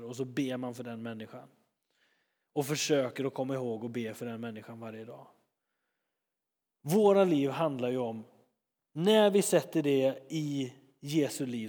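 A man preaching a sermon in a lively, chatty way, retelling stories and acting out scenes. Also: medium pitch, in a large hall. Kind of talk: sermon, storytelling.

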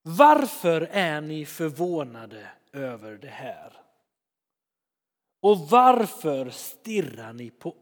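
A man voicing a calm, earnest apostle who speaks slowly to a crowd, during a sermon. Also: on the high side, big-room sound.

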